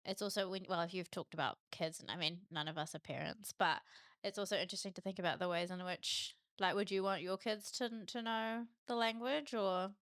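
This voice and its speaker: A young woman chats on a podcast, spinning anecdotes and laughing easily. Her voice is bright and crisp, recorded close with no room sound. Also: mid-range voice, steady tone, fairly quick, no echo. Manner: chatty storyteller, laughs easily. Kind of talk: casual podcast conversation.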